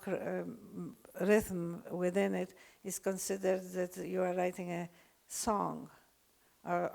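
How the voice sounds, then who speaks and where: An older woman with a Polish accent, lecturing unscripted, halting often with fillers and restarts. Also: lowish voice, gravelly, darkish tone. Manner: hesitant, many fillers and restarts.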